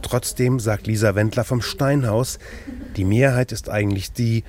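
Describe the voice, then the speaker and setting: A man reporting and narrating a scripted radio feature in a measured, even way. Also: lowish voice.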